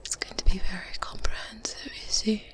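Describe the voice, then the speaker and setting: Lightly acted, this ASMR roleplay has a woman voicing a kind, wise older witch in a mostly whispered, soft and breathy tone, pensive and secretive in mood. Her pace is gentle and unhurried, broken by murmured hums and quiet pauses, with a faint ambient noise bed and medieval ambience in the background.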